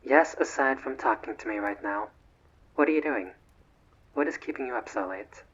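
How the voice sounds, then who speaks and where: A husky, immortal gentleman vampire acted by a man speaks in a roleplay audio drama. His phrasing is formal and old-fashioned, courteous yet faintly haughty and bored. The voice sits at an average male pitch, on a somewhat dull home recording. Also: expressive. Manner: formal, measured, slightly haughty diction with sighs. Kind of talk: scripted roleplay audio drama, one side of a phone call.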